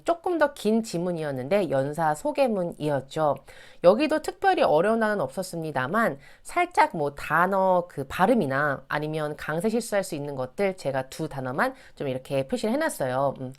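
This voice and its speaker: A woman tutor going through a practice speaking test, reading English sentences slowly and carefully and drilling words for learners to repeat. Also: lowish voice.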